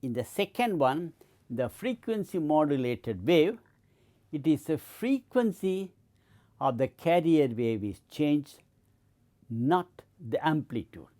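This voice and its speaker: Mellow-voiced man lecturing. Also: fairly high pitch, big pitch swings, takes it slowly. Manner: explanatory, repeats points, frequent restarts. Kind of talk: educational lecture.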